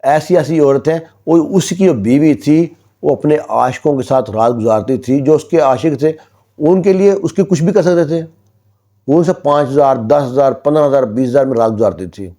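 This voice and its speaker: Storyteller: man, mellow warm tone, casual retelling with dramatic bursts of dialogue. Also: medium pitch, lively intonation. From Pakistan. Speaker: storyteller and channel host.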